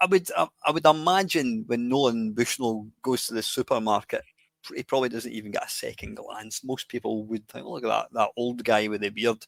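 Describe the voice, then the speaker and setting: A man with a Scottish accent speaks at a fairly quick pace and a medium pitch, with ordinary pitch variation. His loudness swings widely, and the sound is dry and close with no echo. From Scotland. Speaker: podcast host. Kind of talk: casual chat. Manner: talkative, interrupts.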